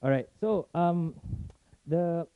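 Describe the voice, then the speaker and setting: A young man from Malaysia, giving a chatty, informal forum talk in fast bursts. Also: on the high side, no room sound. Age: young adult. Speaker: forum speaker. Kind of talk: casual presentation to an audience. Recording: tinny phone-like sound, dry.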